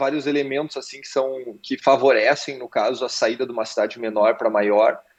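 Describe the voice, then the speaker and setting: Speaking at a moderate pace, a man talks with a southern Brazilian accent. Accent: gaúcho (southern Brazilian). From southern Brazil, Rio Grande do Sul (Caçapava do Sul, then Porto Alegre). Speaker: game studio CEO, former footballer. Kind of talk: interview conversation.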